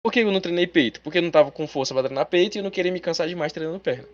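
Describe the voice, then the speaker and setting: A male teacher giving a live online class, talking fast and chatty, speaking straight to his students. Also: on the high side, dull audio.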